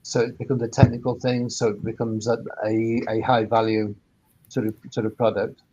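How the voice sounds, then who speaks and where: A man speaking as an expert panellist in an informal discussion, explaining in a halting way and often repeating his words. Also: on the low side, flat delivery, darkish tone, breathy edge, lo-fi sound. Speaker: webinar panellist, sound engineer turned workspace operator.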